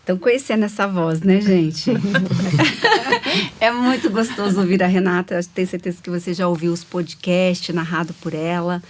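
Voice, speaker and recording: A woman's voice: lowish voice, fairly even intonation, moderate pace. A woman hosting a Christian women's talk show, welcoming guests and affirming them often with short agreeing sounds. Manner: warm, affirming, frequent "uhum" backchannels.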